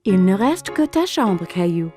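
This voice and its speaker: A woman's voice: medium pitch, big pitch swings, a little slow, soft background music. A woman playing a kind, patient, reassuring mother in a children's cartoon. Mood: playful, encouraging. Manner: gentle, reassuring. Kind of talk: French-language children's cartoon acting.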